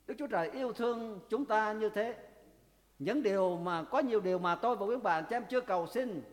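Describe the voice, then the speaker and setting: A male pastor preaching a sermon, emphatic, with drawn-out pauses, often turning to address the congregation. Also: high-pitched. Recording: long reverb of a church hall.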